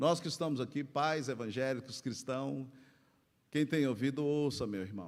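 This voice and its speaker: With a Minas Gerais accent, a man talks at a moderate pace. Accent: Brazilian Portuguese, Minas Gerais (mineiro). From Brazil, Minas Gerais. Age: 60s. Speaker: pastor. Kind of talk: testimony. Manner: animated.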